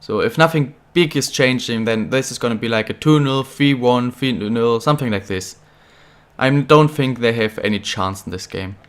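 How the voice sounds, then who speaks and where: A young man who is a bit ill, chatting casually while commentating his own football video game career, getting excited at goals. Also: mid-range voice, normal speed, clear, resonant tone. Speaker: gaming channel host.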